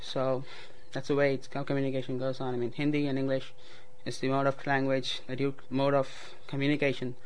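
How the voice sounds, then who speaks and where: Clear and resonant, this mid-range male voice belongs to a young adult student from Tamil Nadu whose first language is Tamil. With a South Indian accent, he reads a passage aloud, then shifts to an unscripted personal story, speaking in an explanatory manner.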